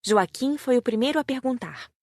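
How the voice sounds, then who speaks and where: A woman's voice: sits high, expressive, moderate pace, darkish tone, no room sound, studio quality. A woman reading scripted first-person narration for an audiobook.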